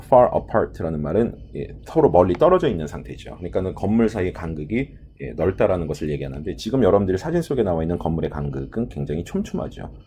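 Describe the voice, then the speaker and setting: A man's voice: low-pitched, mellow, breathy edge. A man teaching a listening lesson for an English test, explaining answers step by step with many short filler words and spoken pronunciation examples. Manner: filler-heavy lecturing, frequent "ja" and "ye". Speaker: TOEIC listening instructor.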